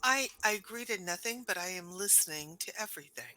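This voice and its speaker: A woman playing a righteous, defiant adventurer in a tabletop game, speaking slowly in a dramatic, declamatory way. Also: mid-range voice, animated, sharp tone. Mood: wary. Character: righteous, defiant female adventurer confronting a villain. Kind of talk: tabletop role-play.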